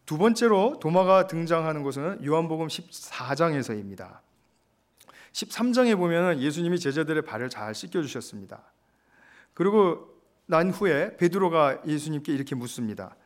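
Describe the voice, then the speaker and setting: Animated preaching man, lively pitch. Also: normal speed. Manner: animated preaching with fillers and acted quotes. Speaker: pastor. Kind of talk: sermon.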